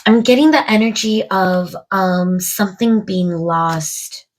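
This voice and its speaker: A woman's voice: mid-range voice, slow, poor audio. A woman reading tarot cards aloud, musing to spirit and viewers, a little stuffed up from a cold. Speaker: tarot reader. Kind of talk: casual tarot card reading to camera.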